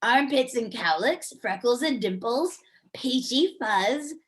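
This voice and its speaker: A woman's voice: on the high side, animated, slow. A woman playing a predatory child-eating clown monster in an amateur horror table read, savoring each phrase in a sing-song manner. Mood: hungry, savoring.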